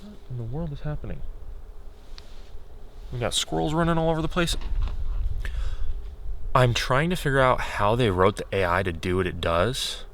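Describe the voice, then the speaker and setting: A man talking in a casual, unscripted vlog style, candid and rambling as he thinks aloud, his voice getting a little hoarse. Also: mid-range voice, normal speed, long pauses, a bit bright, slight background noise. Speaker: video creator.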